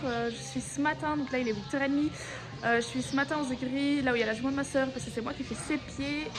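With clear music in the background, a woman speaks at a high pitch with ordinary pitch variation. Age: 20s. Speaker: horse owner. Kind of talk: casual vlog talk to camera. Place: farm machine. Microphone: phone near.

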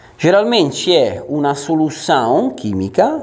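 The man speaks at a very slow pace. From Italy. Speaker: gelato instructor. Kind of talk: tutorial; lecture. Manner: halting. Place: classroom.

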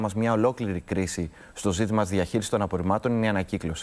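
This man talks at a very fast pace. His pitch is fairly low and varies in an ordinary way. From Athens, Greece. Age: 30s. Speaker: mayoral candidate; candidate. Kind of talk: interview. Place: studio. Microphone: lapel.

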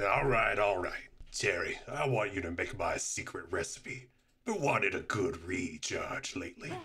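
In a cartoonish character voice, a man sounds raspy at a fairly low pitch. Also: moderate pace. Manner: flamboyant, pushy, overfamiliar.

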